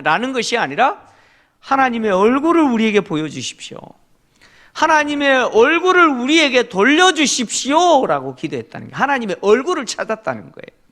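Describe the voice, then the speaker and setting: Preaching in Korean, this middle-aged pastor has an extremely high, bright voice with a forceful edge. He leads the congregation in reading scripture aloud, presses his points emphatically, and mixes rhetorical questions with brief affirming interjections.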